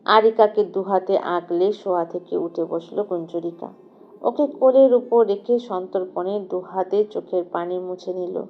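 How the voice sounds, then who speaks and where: A woman narrating an audio novel in an expressive, dramatic, literary scripted style. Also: medium pitch, highs cut off.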